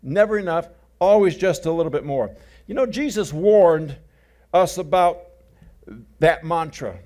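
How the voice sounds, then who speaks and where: A man's voice: on the high side, expressive, unhurried, darkish tone. A middle-aged male pastor preaching a sermon, telling stories with jokes and repeating his key phrases.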